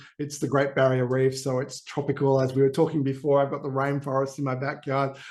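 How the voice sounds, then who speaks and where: At a moderate pace, a man with an Australian accent speaks with a fairly high pitch in a monotone, flat intonation. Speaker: business and marketing expert. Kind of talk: podcast interview.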